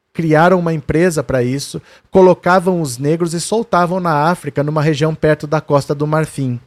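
With a Brazilian Portuguese accent, a male history presenter explains the past in a conversational way and holds up documents for the viewer, raising his voice whenever he quotes historical figures. His voice is fairly high and a little mellow, with no echo.

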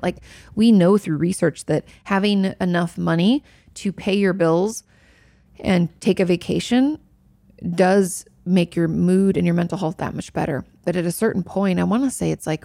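A woman in her thirties talks through viewer questions like a therapist, loose and chatty, restarting her sentences often. Her voice sits low with a gravelly fry. The sound is dry, with no room echo. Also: mellow. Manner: chatty, explains with many fillers and restarts. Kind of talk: casual advice talk.

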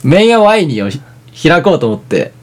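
A man, from Oita, co-hosting a casual podcast chat and telling an animated story, laughing along as he goes. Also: a little high, brisk. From Oita, Japan. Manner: animated storyteller, laughs through his own anecdotes. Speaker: band member, podcast co-host.

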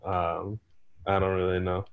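Hesitant young man with a lowish voice. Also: flat delivery, measured pace, narrow, tinny audio. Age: 20s. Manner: hesitant, with many ums and soft trailing-off phrases. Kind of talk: casual chat.

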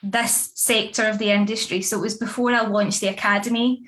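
A woman's voice: mid-range voice, fairly even intonation, brisk, fairly bright tone. A woman chatting casually in an interview, with many fillers and frequent laughs. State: pregnant. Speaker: dog grooming academy founder and author.

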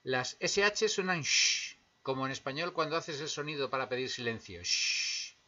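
A man's voice: mid-range voice, expressive, bright, forceful tone. A man teaching English pronunciation, patiently repeating example words and checking in with the listener. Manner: patient, repeats words slowly with tag questions. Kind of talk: explanatory lesson. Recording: dull lo-fi sound.

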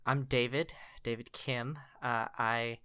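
Young man, podcast co-host, bright crisp voice, playful, dry close sound. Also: mid-range voice, steady tone, slow, no room sound. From born in Korea, raised near Dallas. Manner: playful, laughs easily. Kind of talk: casual podcast chat.

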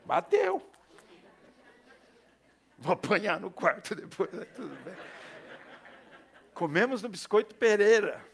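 Middle-aged Brazilian pastor, male, preaching with a high-set, expressive voice, swinging from loud to hushed. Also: slow pace, gravelly, long pauses. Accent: Brazilian Portuguese. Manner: lively storytelling, swings between loud and hushed. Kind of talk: storytelling sermon.

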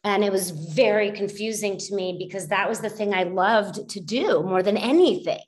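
A woman's voice: medium pitch, normal speed, poor audio. A middle-aged woman telling her own story as a guest on a podcast, in a reflective way, with many fillers and restarts. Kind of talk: casual storytelling in a podcast interview.

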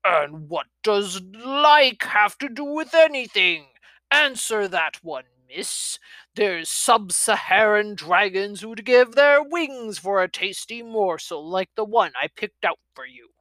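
A woman voicing a grumpy old male grandfather dragon in a storybook reading, growling and indignant, with slow, deliberate delivery. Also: medium pitch, expressive, fairly bright tone, dry recording. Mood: indignant grumbling. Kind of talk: storybook read-aloud.

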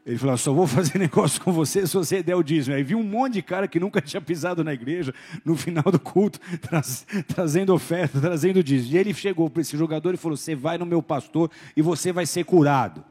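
A man's voice: a little high, quick pace, few pauses, breathy edge. A man, preaching a sermon as a pastor and telling stories animatedly, acting out the voices in them. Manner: animated storytelling, acting out voices, shouting at peaks.

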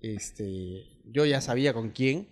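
A man in casual chat with friends, recounting his own experience hesitantly, filling pauses with "este". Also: mid-range voice. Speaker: podcast co-host.

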